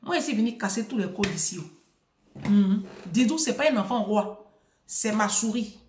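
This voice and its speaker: A woman talks to her followers in a mocking, emphatic monologue, laughing often and swinging between loud and soft. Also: medium pitch, moderate pace, slight background noise. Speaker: social media vlogger. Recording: echoey room.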